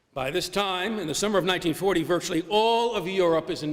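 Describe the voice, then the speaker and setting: With a New York accent, a man speaks at a fairly quick pace using ordinary pitch variation. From New York City. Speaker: historian and guest lecturer. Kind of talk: lecture. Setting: lecture hall with live audience.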